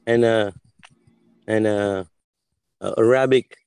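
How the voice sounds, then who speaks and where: A man in his forties from Senegal, whose first language is French, speaking as a panelist in an online call with many halting restarts. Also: fairly low pitch, steady tone, a little mellow, clean tone, no echo. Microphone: video call.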